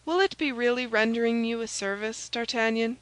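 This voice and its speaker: A woman voicing a discreet, courteous gentleman musketeer in a storybook, polite and measured. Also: a little high, no room sound, natural voice.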